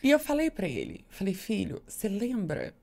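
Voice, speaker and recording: A woman co-hosting a podcast, telling a family story with lively acted-out dialogue in casual chat. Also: medium pitch, normal speed, vocal fry. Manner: animated storyteller, acts out dialogue. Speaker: podcast co-host, mother.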